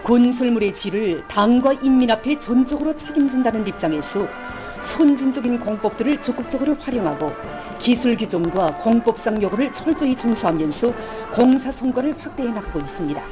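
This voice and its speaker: A woman's voice: fairly high pitch, animated, fairly quick. A woman with a North Korean accent reads formal scripted television news in an earnest, declamatory manner. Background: music.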